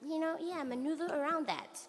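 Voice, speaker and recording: A woman's voice: sits high, fairly quick. A young woman speaking as a panelist in a youth discussion, hesitant and full of fillers as she searches for words. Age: young adult. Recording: long hall reverb.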